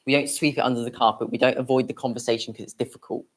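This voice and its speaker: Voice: mid-range voice, fairly even intonation, racing. A young adult speaking plainly and explaining things in a public talk with audience questions. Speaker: speaker at a commemorative event.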